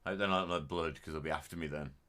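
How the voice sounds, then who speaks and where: A man's voice: a bass voice, fairly even intonation, fast, sharp tone. A young man with a Black Country accent gives casual, rambling let's-play commentary, joking between moments of play. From English Midlands. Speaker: game streamer.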